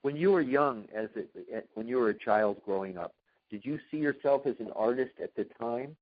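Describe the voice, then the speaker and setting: A man's voice: mid-range voice, animated, moderate pace, no echo. Guy asking interview questions, bit tentative, rewords stuff, dull dry call sound. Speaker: interviewer reading submitted questions. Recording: dry, muffled conference call line.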